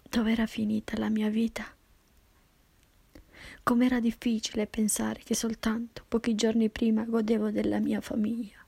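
A woman reading a first-person story in a slow, hushed, intimate whisper. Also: fairly high pitch, vocal fry, slightly rough. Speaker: narrator.

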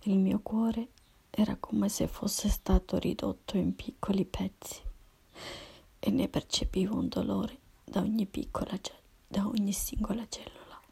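A woman telling her own story in a hushed, breathy whisper. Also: mid-range voice, steady tone, measured pace. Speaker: narrator of a personal story. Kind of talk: whispered first-person narration.

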